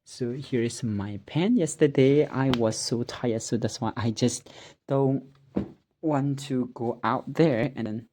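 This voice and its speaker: Casual home vlogger, Burmese accent, unhurried and halting as they hunt for English words, slightly noisy room recording. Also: medium pitch, dark tone. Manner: hesitant, searching for English words. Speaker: vlogger practicing spoken English. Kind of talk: casual narration while tidying up. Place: indoors at home.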